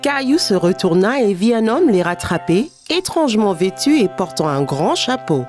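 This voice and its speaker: A woman's voice: medium pitch, sing-song, moderate pace, a little mellow, soft background music, close to an everyday voice. A woman narrating a children's cartoon in the manner of a storybook reader. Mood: storytelling. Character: storyteller of a small boy's everyday adventures.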